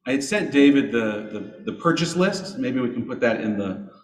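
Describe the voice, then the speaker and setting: A man's voice: medium pitch, lively intonation, normal speed, faint music behind. A man giving a casual live demonstration in a big echoing hall, picked up by a conference camera microphone. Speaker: guest presenter. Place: large indoor social hall. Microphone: conference camera microphone, away from the mouth. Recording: echoey hall from far off, noisy.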